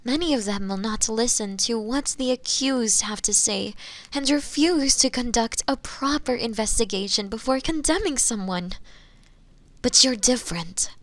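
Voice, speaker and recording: Here the voice actor's witch prisoner sounds hopeful and deferential, speaking to the listener in a fantasy audio drama while pretending to be frail and innocent. Her natural, fairly high voice halts through formal, old-fashioned phrasing and frequently grows breathy, almost whispered.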